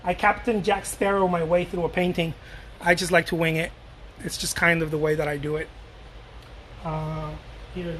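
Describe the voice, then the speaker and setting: A man's voice: high-pitched, a little hiss or hum, poor audio. A man from Mexico chatting casually while he paints live, rambling and joking and answering viewer questions as he goes.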